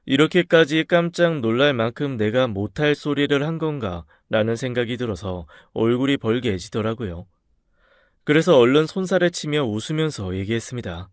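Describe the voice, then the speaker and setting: A man's voice: mid-range voice, expressive, normal speed, no room sound, clean studio sound. A man narrating a true-life story in the first person, earnest and confiding.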